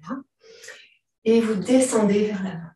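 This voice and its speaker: A woman teaching a yoga and stretching class, giving slow, calm instructions and often clearing her throat. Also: mid-range voice. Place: large room during an online class. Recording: very echoey room, far from the mic.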